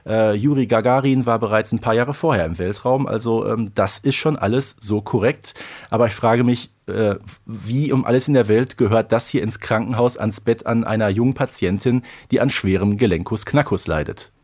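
A man hosting a podcast in casual chat, pausing often with filler sounds. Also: lowish voice, a little mellow. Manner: hesitant, many filler sounds. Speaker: podcast host. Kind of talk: casual podcast chat about a radio play.

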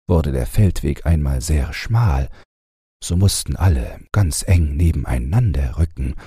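Very deep, husky man reading a bedtime story. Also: no room sound, studio quality. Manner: measured, expressive storytelling with deliberate phrasing. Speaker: audiobook reader. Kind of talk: slow bedtime storybook narration.

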